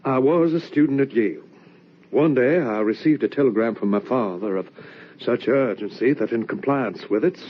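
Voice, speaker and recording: An actor playing a troubled, sickly young gentleman from a well-off family, weary, brooding and quick to snap, in an old radio drama. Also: medium pitch, slight background noise. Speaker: narrator and lead character. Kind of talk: 1940s radio acting. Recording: dull old radio recording.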